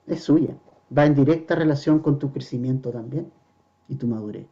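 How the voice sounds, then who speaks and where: A man preaching a verse-by-verse sermon as pastor, earnestly asking the congregation rhetorical questions and slowing down to stress scripture quotes. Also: mid-range voice, muffled recording.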